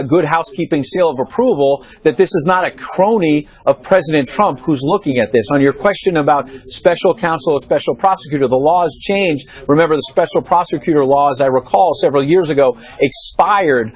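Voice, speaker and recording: Guy reporting from the white house on a news panel, lots of uh's, measured, a bit high pitched. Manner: measured, explanatory, with frequent "uh" fillers. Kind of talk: live news panel analysis. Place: studio or remote link from Washington.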